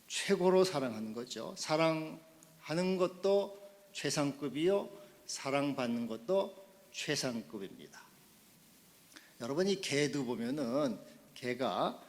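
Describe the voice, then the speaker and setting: A man pastor delivering a Sunday sermon, asking the congregation questions and building to loud, emphatic climaxes. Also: medium pitch, big-room sound. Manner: asks the congregation questions directly.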